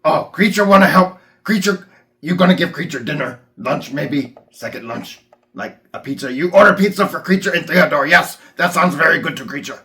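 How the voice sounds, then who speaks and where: A man voicing a simple-minded, always hungry creature puppet with a gravelly growl and broken third-person grammar. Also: a little high, expressive, normal speed, sharp tone, voice pushed up. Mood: hungry, eager.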